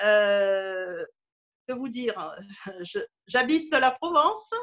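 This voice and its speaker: A woman speaks with lively intonation over music in the background, the sound dry and close with no echo. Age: 60s. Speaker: retired amateur painter, contest winner. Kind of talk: interview. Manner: hesitant, many fillers and repetitions.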